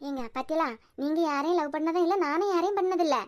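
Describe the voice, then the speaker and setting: A chatty young cartoon wife with a very high, quick voice, played by a performer. She teases and wheedles without letup, and her words tumble out fast. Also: lo-fi sound. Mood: teasing. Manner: teasing, wheedling, talkative. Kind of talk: cartoon voice acting.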